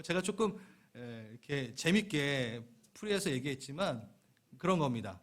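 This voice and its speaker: A man's voice: fairly high pitch, fairly bright tone. A middle-aged man preaching a sermon as pastor of a church, playful and acting out little scenes in voices. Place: church sanctuary.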